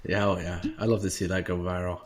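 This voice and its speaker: A man's voice: low-pitched, flat delivery, quick pace. A man co-hosting a podcast, riffing playfully in casual, informal banter. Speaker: podcast co-host.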